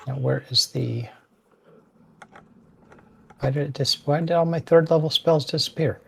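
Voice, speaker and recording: Husky guy at a tabletop game, hesitant, kinda fumbling around. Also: fairly high pitch, measured pace. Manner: hesitant, fumbling with his character sheet. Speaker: player. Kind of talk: casual game talk.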